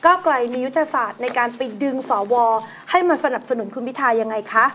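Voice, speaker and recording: Woman news show host, high voice, reads stories then chats casually about them. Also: a little fast, slight background noise. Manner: reads news items then banters in a relaxed, conversational way. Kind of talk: chatty news commentary.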